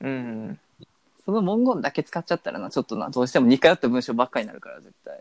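A man rattles along at a very fast pace with lively intonation and a medium pitch. His loudness swings widely. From Japan, Ehime. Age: 20s. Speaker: university student. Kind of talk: podcast outro; casual chat. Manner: halting.

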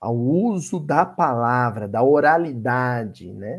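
A man's pitch swings very widely, captured on a very clean recording with a silent background. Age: 40s. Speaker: spiritist study leader. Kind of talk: religious study talk.

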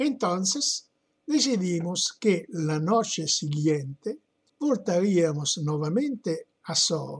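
A man with an Italian accent speaks at a very slow pace in a high voice, his pitch swinging very widely. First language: Italian (speaking Spanish). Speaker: contest participant. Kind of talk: storytelling.

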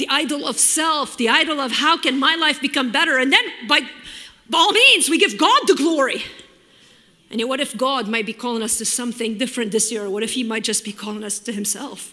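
A woman speaks in a raised, projected voice with an intense tone and a high pitch. Her pace is fairly quick, and background noise is noticeable. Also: lively intonation. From Lebanon. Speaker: author and speaker. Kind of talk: sermon. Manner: fast; intense, high energy.

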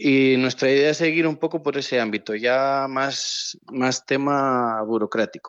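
This man has a normal speaking voice at medium pitch, with fairly even intonation and very even loudness. He talks at a fairly slow pace with hardly any pauses. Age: 30s. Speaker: farmer and protest coordinator. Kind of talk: radio interview. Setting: phone call.

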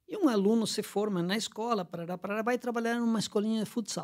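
A man with a Spanish accent and a high pitch at a very fast pace, on a very clean recording with a silent background. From Argentina. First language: Spanish (speaking Portuguese). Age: 60s. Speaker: university professor of sport science. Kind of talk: interview.

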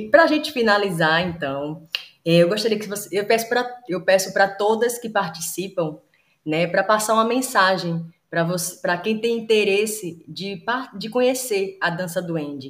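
A woman speaks at a moderate pace in a normal speaking voice. Her intonation is lively at medium pitch. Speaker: live stream host. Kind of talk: interview.

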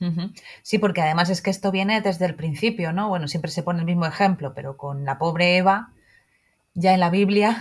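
A woman with a fairly low, somewhat breathy voice talks at a fairly quick pace with ordinary pitch variation, recorded very cleanly against a silent background. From Huesca, Aragon, Spain. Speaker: podcast host and novelist. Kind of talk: interview.

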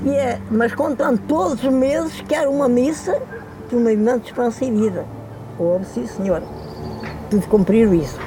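Lively intonation at a moderate pace, with long, frequent pauses over noticeable background noise. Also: woman, fairly high pitch for a woman. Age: 90s. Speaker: elderly villager. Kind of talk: interview.

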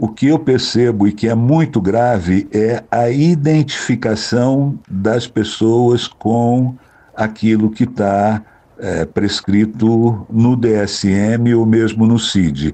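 With a dark, mellow tone, a man speaks at a very slow pace and very even loudness. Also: medium pitch for a man, ordinary pitch variation. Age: 60s. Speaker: psychologist and university professor. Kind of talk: interview. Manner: halting.

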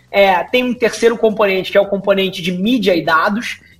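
A man's high-pitched voice at a moderate pace with ordinary pitch variation, music playing in the background. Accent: Carioca. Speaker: marketing agency founder. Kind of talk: casual interview. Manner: hesitant repetitions.

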